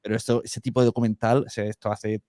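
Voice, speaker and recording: A man's voice: lowish voice, flat delivery, quick pace, dark tone, no room sound. Informal Spanish man, dry podcast sound. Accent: Peninsular Spanish. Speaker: podcast host. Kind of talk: casual chat.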